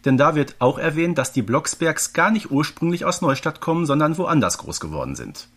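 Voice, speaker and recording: A man's voice: fairly high pitch, big pitch swings, fairly quick, fairly bright tone. A man co-hosting a podcast, chatting casually and analytically. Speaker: podcast co-host.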